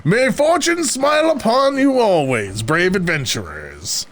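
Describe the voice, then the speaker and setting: Man putting on a booming, mysterious prize announcer. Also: very animated, unhurried, a crowd in the background, heavily acted. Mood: grand, ceremonious. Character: mysterious stranger, grand fantasy herald announcing a prize. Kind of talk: improvised role-play reading of a script.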